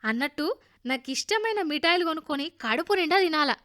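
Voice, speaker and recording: A woman voicing an excitable young village boy with a Telangana accent, calling out eagerly in a children's radio story. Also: high voice, fairly quick. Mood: dreamy. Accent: Telangana Telugu. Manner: eager, loud calls.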